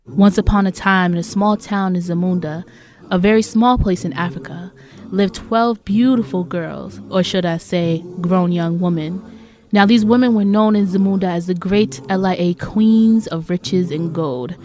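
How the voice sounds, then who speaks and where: A woman's voice: on the low side, dark tone, close to an everyday voice. Woman as a sassy, dramatic fairy-tale storyteller. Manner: drawn-out, emphatic, judgmental.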